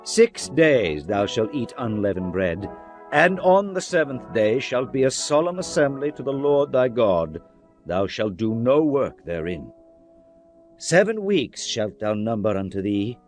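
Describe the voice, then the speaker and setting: Male narrator for a dramatized Bible reading, mid-pitched, solemn and measured, music under the voice. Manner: solemn, measured recitation of archaic scripture. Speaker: scripture narrator. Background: background music.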